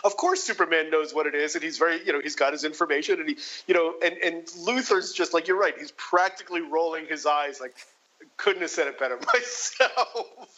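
A man's voice: fairly high pitch, fast talker, hardly any pauses, bright, forceful tone, lo-fi sound. A man co-hosting a casual film discussion, enthusiastic and building his points through restarts. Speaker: podcast co-host.

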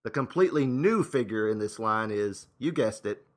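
A man's voice: on the low side, animated, normal speed. A man hosting with scripted narration and casual, wry asides. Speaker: host and narrator.

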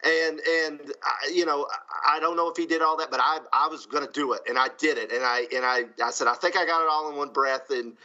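A man co-hosting a podcast, telling a story in an animated, chatty way. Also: on the high side, fairly quick, few pauses, lo-fi sound. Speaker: podcast co-host. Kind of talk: casual podcast chat.

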